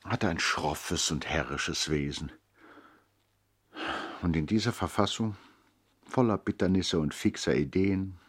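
An actor playing a nobleman who recounts his brother's life as narrator of a 1960s radio play, in an expressive, deliberate literary manner. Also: deep voice. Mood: grave, narrating.

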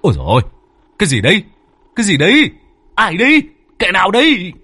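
A man plays a rooster-headed demon officer from the underworld in a told ghost story, shrieking and indignant. His voice shoots up and down with quick, sharp bursts, bright and slightly husky. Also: wildly swooping pitch, full character voice. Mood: startled. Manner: shrill, indignant shouting.

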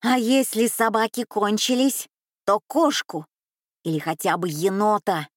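A woman voicing an excitable, anxious young boy in a children's storybook reading, pleading and stammering. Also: medium pitch, unhurried, no echo, clean studio sound, close to an everyday voice. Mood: sulky.

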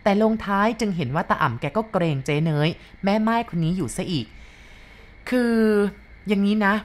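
A woman reading a first-person ghost story aloud in a plain, unhurried way. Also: on the low side, lively intonation.

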